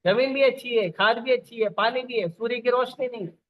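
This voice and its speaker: A man's voice: extremely high pitch, brisk, dull audio. A man giving a lecture on scripture, asking the audience rhetorical questions and repeating lists of examples. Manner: repetitive listing. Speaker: preacher. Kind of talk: Gita lecture.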